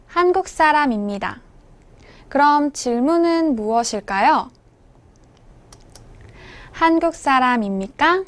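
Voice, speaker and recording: A woman with a high voice narrates a language lesson as the teacher. She speaks very slowly and enunciates each phrase clearly. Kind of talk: scripted instructional narration.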